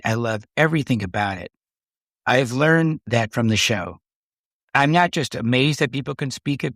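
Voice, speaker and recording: A woman's voice: rumbling low, fairly bright tone, no echo, clean studio sound. A woman hosting a podcast, chatting in a teasing, emphatic way with her guest. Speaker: podcast host. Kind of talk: casual interview conversation.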